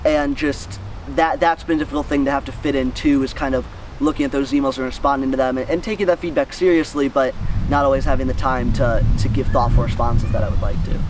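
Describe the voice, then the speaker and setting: A high-school-age American young man speaks in a mid-range voice in a casual interview. He is earnest and often repeats words as he thinks aloud. There is faint background noise. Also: recorded from a distance, poor audio. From United States, Missouri. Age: teenager, high school student. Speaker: student newsletter writer, interviewee.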